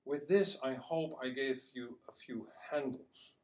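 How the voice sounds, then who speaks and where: A man speaks from some way off the microphone in a mid-range voice. He explains things like a conference speaker, phrasing deliberately and haltingly, sometimes repeating words as he goes. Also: medium pitch, a little mellow. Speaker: conference speaker on internet security. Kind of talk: explanatory presentation to an audience. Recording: distant microphone.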